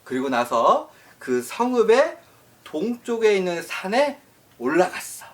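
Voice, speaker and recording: A man's voice: high-pitched, unhurried. A man pastor telling a Bible story in a sermon for elderly listeners, asking them questions as he goes. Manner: lively, asks the listeners questions. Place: nursing home service.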